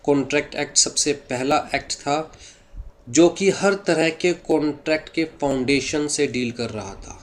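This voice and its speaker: A man teaching a law class in Hindi mixed with English. He speaks with an Indian English accent, reads English lines slowly, then explains them, often asking a question and answering it himself. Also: fairly high pitch. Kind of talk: classroom lecture.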